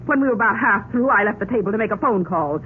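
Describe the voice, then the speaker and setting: An actress playing a prim, suspicious politician's wife with a tart, theatrical 1940s radio delivery. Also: female voice, medium pitch, lively intonation, fast, natural voice. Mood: tense, tart. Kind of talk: 1940s radio drama acting. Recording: narrow-band, noisy old radio recording.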